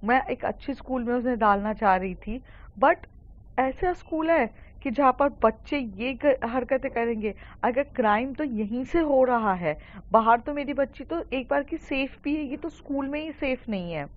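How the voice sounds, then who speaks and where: An aggressive, indignant mother, as a woman narrator puts her on, raises her voice in protest. Her pitch climbs a little above the narrator's usual, and the recording sounds dull and lo-fi. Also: animated, normal speed. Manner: shouting, indignant. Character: angry, aggressive mother of a schoolgirl.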